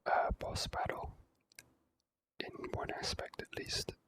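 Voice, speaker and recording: A person whispering softly in an ASMR style while commentating on a video game, speaking in halting phrases with pauses. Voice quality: soft unvoiced whisper. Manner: slow, halting delivery with pauses. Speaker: let's play host.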